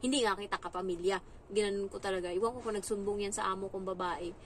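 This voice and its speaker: A young Filipina woman talks straight to her viewers in a casual advice vlog, telling stories with lots of life and slipping into other people's voices as she goes. Her voice sits at an ordinary middle pitch for a woman, with a faint hiss of background noise behind her. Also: fast, rough recording. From Philippines. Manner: lively storytelling, acts out other people's lines. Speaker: vlogger, domestic helper. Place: employer's home abroad.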